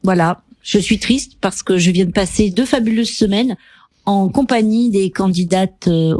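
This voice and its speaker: A woman's voice: medium pitch, darkish tone, no echo. A woman hosting a radio show, asking rambling, friendly questions full of fillers. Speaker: radio host. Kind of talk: casual radio interview. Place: radio studio.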